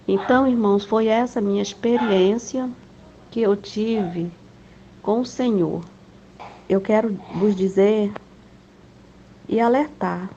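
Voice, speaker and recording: A woman's voice: medium pitch, gravelly, dark tone. A woman giving an earnest, emotional religious testimony to fellow believers, in a dull, slightly lo-fi recording. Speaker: church member giving testimony. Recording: dull lo-fi with faint noise.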